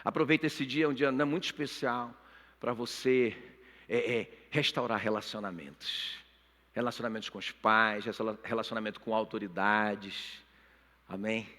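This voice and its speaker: A man's voice: on the low side, fairly even intonation, normal speed, bright, forceful tone. A middle-aged man preaching a sermon and telling a personal story with strong emotion, often turning to speak straight to the congregation. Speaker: pastor. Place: church auditorium. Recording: long reverb of a church hall.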